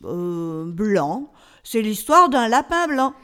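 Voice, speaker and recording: Flustered but patient storyteller played by a woman, slow and very animated, coaxing a child in a comic radio sketch. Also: mid-range voice, clear, resonant tone, exaggerated voice. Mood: patient, improvising.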